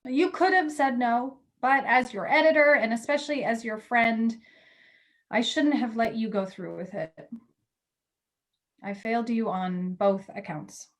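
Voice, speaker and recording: A woman's voice: fairly high pitch, a little slow, close to an everyday voice. A woman acting the part of a frank, loyal, somewhat jaded magazine editor confiding in a friend in a staged play reading. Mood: apologetic, supportive. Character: candid, loyal female magazine editor, jaded about love.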